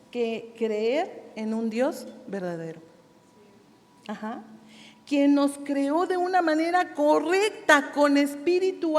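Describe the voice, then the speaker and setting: A woman's voice: high-pitched, a little mellow. A woman with a Mexican Spanish accent teaching a sermon at a women's meeting, often asking the audience questions and laughing between points. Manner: asks the audience frequent questions. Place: church hall. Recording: long church hall reverb.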